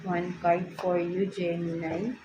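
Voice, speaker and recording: A woman's voice: fairly low pitch, level tone, slow, muffled recording. A woman with a Filipino accent giving a casual tarot reading, chatty and ending almost every phrase with a questioning "no?". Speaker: tarot reader. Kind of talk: casual tarot reading, mixing Tagalog and English. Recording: clear background noise.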